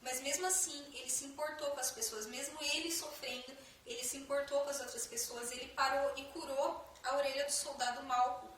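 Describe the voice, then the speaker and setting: Bright-voiced woman in an echoey room. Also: high-pitched, steady tone, a little fast, few pauses, distant mic, slight background noise. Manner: emotional storytelling, many fillers and restarts. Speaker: Christian vlogger. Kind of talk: personal testimony to camera. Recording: echoey room, voice a bit off-mic.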